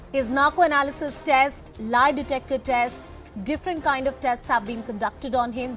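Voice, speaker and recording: A woman anchors live news in Indian English. Her voice sits a little high and her phrasing is deliberate and emphatic. Light music plays beneath her.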